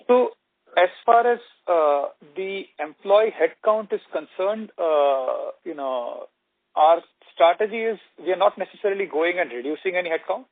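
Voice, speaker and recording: A man giving halting, measured corporate answers as an executive on an earnings call. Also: high voice, lively intonation, no echo. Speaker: company executive answering analysts. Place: conference call. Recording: narrow, dry telephone conference line.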